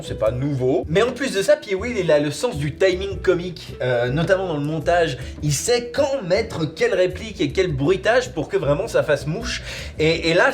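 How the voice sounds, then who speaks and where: Chatty man reviewing with casual swearing. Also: on the high side. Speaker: host reviewing audio dramas.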